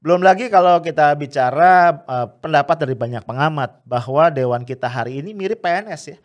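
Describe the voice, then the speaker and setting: A man's voice: a little high, a little fast, highs cut off. A man giving casual, emphatic political commentary to his viewers, dropping little tag words and short laughs as he goes.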